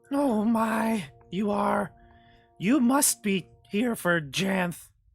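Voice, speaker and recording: In a put-on character voice, raspy and fairly high-pitched, the speaker talks at a very slow pace over faint background music. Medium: actual play. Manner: friendly, eager.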